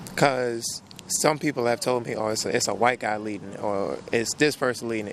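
Barely pausing, a man talks at a fairly quick pace and a medium pitch with ordinary pitch variation. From Richmond, Virginia. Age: 20s. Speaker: protester. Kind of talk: casual interview. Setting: outdoors.

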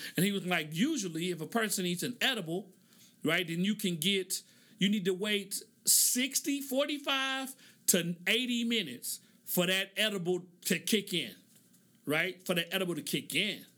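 With an American accent, a man speaks in a raised, projected voice at a high pitch and a moderate pace. His tone is animated, bright and sharp, with lively intonation on a very clean recording with a silent background. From Oklahoma. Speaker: podcast host, hip-hop commentator. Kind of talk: casual monologue. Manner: animated, laughing often.

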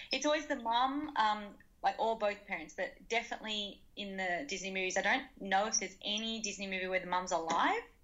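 With an Australian accent, a woman speaks at a fairly quick pace, her medium pitch showing ordinary variation. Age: 30s. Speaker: magazine co-founder and musician. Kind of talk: casual interview chat. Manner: hesitant, many fillers.

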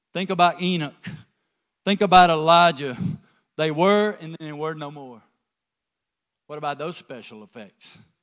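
On a very clean recording with a silent background, a man with a Southern US accent speaks at a moderate pace and fairly high pitch, with ordinary pitch variation. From US South. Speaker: guest preacher. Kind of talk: sermon. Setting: church.

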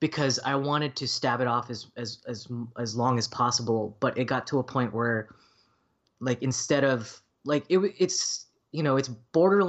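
A man talks at a moderate pace at medium pitch, with an ordinary speaking voice. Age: 30s. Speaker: podcast guest receiving a tarot reading. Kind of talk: casual chat.

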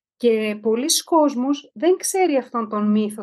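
A woman's high, dark, mellow voice with very wide pitch swings at a fairly slow pace. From Greece, Athens. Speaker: Greek language teacher. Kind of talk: storytelling.

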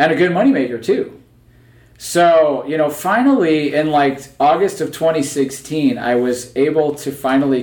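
Using a plain, everyday voice, a man talks at a middling pace, his pitch varying in an ordinary way. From Chicago suburbs, Illinois. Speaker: singer-songwriter and former band teacher. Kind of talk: casual interview.

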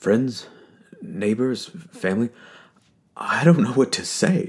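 Putting on a shaky character voice, a man speaks fairly slowly at a medium pitch, his pitch swinging very widely.

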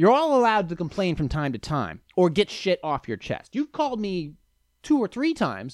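A man's high voice with very wide pitch swings at a moderate pace, dry and close with no echo, on a very clean recording with a silent background. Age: 30s. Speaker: podcast host and live streamer. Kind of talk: casual chat. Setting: home studio, live streamed.

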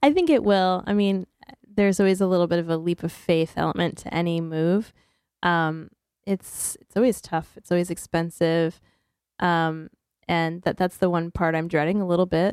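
In a very clean recording with a silent background and a dry, close sound with no echo, a woman has an unremarkable speaking voice, fairly low in pitch, with fairly even intonation at a moderate pace. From rural northeastern Pennsylvania (Montrose). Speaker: artist and curator. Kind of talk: casual interview on local radio.

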